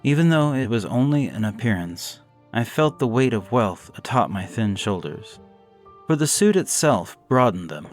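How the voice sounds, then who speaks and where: A man narrating a gothic horror story in a measured, deliberate way. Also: medium pitch, big pitch swings, soft background music.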